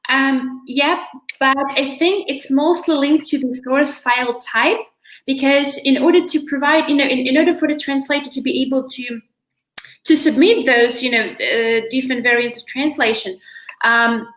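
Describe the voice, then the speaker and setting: A young woman presenting a software demo on a video call, chatty and full of "you know" fillers. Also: sits high, normal speed, roomy sound, low-quality recording. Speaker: presenter from a localization company. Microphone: video call webcam.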